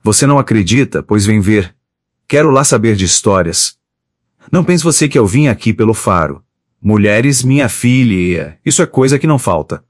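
A man voicing a defiant, sharp-tongued young woman in an audiobook. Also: fairly low pitch, animated, normal speed, no echo, clean studio sound, close to an everyday voice. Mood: insistent. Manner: insistent, challenging.

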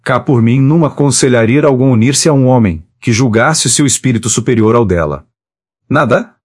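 A man's voice: mid-range voice, no room sound, close to an everyday voice. Guy reading as a stern old-fashioned mom lecturing her daughter, dry close sound. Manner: lecturing, measured. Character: stern older mother advising her daughter.

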